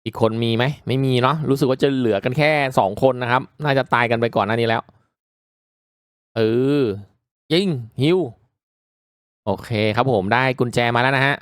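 A man giving casual, reactive commentary as he hosts a mobile game playthrough, chatting politely to viewers with excitable exclamations. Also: medium pitch, normal speed, pauses often, dry recording, clean studio sound. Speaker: gaming video host.

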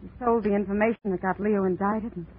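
An actress playing a melodramatic femme fatale in 1940s radio style, pleading in halting, stammering phrases. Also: female voice, mid-range voice, fairly even intonation, lightly acted. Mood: fearful, defensive. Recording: muffled, noisy 1940s radio recording.

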